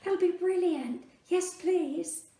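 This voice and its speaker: Anxious young Joseph, polite and pleading, as a woman storyteller puts him on. He speaks high and slow, with a roomy echo around him. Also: warm tone, distant mic, full character voice. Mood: relieved. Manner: pleading, fretful.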